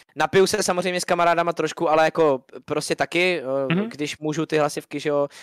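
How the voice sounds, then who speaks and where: A plain, everyday voice at a fairly quick pace, with fairly even intonation, dry, close sound with no echo, and a very clean recording with a silent background. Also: man. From Czech Republic. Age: 20s. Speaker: esports commentator. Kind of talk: casual chat.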